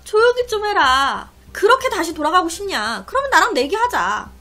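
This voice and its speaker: A woman's voice: extremely high pitch, big pitch swings, normal speed, sharp tone, heavily acted. Woman playing an impatient reaper-like man. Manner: impatient, gruff, scolding. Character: brusque male grim-reaper-like escort of the dead.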